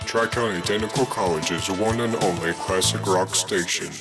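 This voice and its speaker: A man's voice: low-pitched, normal speed. A man doing station promo voice-over as an announcer for classic rock radio. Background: music.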